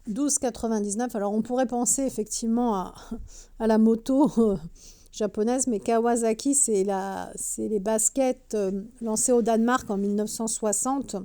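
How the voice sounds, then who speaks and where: A woman's voice: fairly high pitch, fairly even intonation, normal speed, dark tone. Chatty woman with a slightly sore throat. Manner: chatty, fills with "euh" and "hein", reads prices aloud. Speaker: vlogger showing a discount store shoe display. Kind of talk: casual shopping vlog commentary. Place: inside a large discount store.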